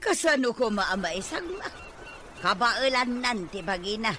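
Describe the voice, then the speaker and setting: Sharp bright voice, woman acting defiant irresponsible mother, Ilocano accent, drama style, faint noise. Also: fairly high pitch, big pitch swings, unhurried, exaggerated voice. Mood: defiant, annoyed. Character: irresponsible, defiant mother fond of drink and gambling.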